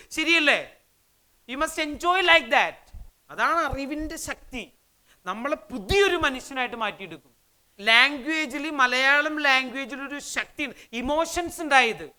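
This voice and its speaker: A woman from Kerala, teaching spoken in an energetic, emphatic way, firing off rhetorical questions and mixing into her talk. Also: high-pitched. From Kerala, India. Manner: energetic, emphatic, fires rhetorical questions, mixes English into Malayalam. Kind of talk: motivational language lesson.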